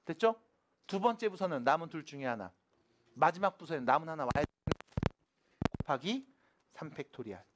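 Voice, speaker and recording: A math teacher lectures a class in an animated, medium-pitched voice, switching between casual and polite speech. He constantly checks whether the students follow, using quick casual questions. There is slight background noise.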